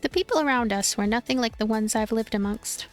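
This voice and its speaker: Higher-voiced woman narrating a game. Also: fairly quick, soft background music. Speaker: let's play host and narrator. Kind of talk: narrated visual novel reading.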